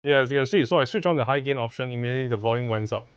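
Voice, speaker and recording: A man's voice: medium pitch, very fast, clear, resonant tone, no room sound, dull audio. A man with a Southeast Asian accent giving a casual product review in a blunt, informal, mildly sweary way. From Southeast Asia. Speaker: audio gear reviewer.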